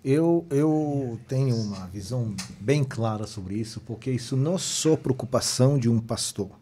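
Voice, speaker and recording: A man's voice: medium pitch, lively intonation, moderate pace, mellow, husky. A man with an Israeli accent, a podcast guest explaining his view in casual conversation and checking in with listeners. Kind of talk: casual chat.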